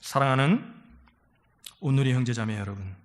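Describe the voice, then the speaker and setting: A man pastor preaching a sermon in a church, animated, acting out quoted voices and calling out hallelujah. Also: medium pitch, normal speed. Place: church sanctuary.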